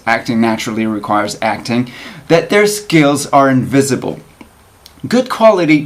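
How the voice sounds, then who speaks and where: Expressive man reading an essay aloud. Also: mid-range voice. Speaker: actor reading an article aloud.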